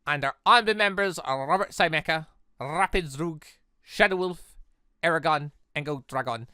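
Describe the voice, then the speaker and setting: Bright voiced guy doing animated game commentary, kinda high, really dry sound. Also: normal speed, smooth, no room sound. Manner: animated, exclaiming reactions between read lines. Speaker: gaming channel host. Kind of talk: let's-play commentary, reading game dialogue aloud.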